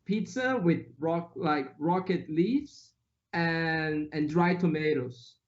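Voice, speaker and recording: A man's voice: fairly high pitch, takes it slowly, dull audio. A Brazilian man speaking English with a Brazilian Portuguese accent, chatting casually as a guest in an interview. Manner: easygoing, listing foods with Portuguese words.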